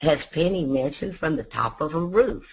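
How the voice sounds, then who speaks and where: A playful tone in a Southern US accent. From American South. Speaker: presenter giving a talk on mosses. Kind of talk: informal, conversational. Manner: folksy, playful.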